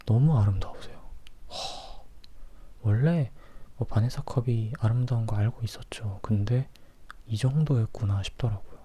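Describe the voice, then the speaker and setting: A man leans in to whisper a relaxed ASMR movie chat. His voice is very dark and soft, with a breathy, husky texture. He talks casually, like a host sharing his opinions up close. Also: fairly low pitch, normal speed. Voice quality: breathy, hushed. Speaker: host of a film review series.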